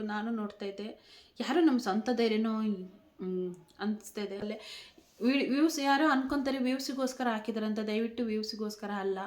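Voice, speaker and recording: A woman speaking in an emotional tribute vlog, tearful and pleading, repeating herself. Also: mid-range voice. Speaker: vlogger.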